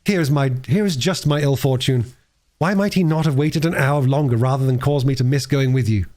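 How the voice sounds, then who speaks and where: A man's voice: medium pitch, brisk, darkish tone, pitched above the performer's own voice, close to an everyday voice. A man voicing a proud young squire who speaks in sullen, indignant archaic phrases for a storybook. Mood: aggrieved. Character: proud, resentful young male squire hero.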